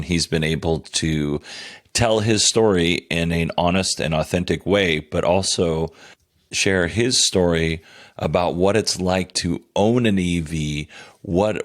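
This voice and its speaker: A man hosting his podcast in a casual, rambling way, apologetic and losing his voice. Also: deep voice. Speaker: podcast host. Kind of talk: casual solo podcast talk.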